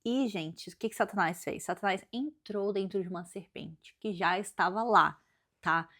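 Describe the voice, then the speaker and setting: A woman with a Brazilian accent chats through a book review in a casual, animated way, often thinking aloud. Her voice sits at a middling pitch. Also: moderate pace. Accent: Brazilian Portuguese. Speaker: book vlogger.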